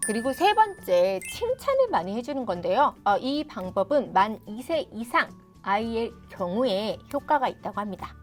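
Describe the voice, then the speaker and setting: A middle-aged woman hosts a parenting talk, speaking straight to viewers in a friendly, explaining manner. Her voice sits a little high. Soft background music plays under her. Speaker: parenting channel host. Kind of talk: advice talk to camera.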